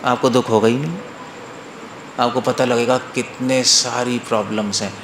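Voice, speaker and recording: A man's voice: mid-range voice, flat delivery, moderate pace. A man who is a monk, telling a story in a casual sermon, often checking that his listeners follow and repeating phrases. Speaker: monk and spiritual teacher. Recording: roomy echo, faint noise.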